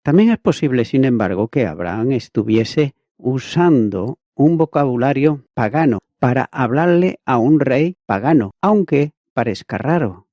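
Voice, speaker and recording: A man reading an expository Bible commentary in a measured, methodical way, as if teaching from a prepared text. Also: medium pitch, lively intonation, warm tone, dry recording. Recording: dull, lo-fi, dry recording.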